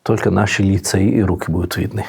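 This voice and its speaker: A man who is not a Russian speaker, a priest answering interview questions in a slow, thoughtful way with frequent pauses. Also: deep voice, steady tone, creaky, a little mellow, husky. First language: Italian. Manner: unhurried, thoughtful, frequent hesitations. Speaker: Orthodox priest and monk, interview guest. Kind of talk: reflective conversational answers.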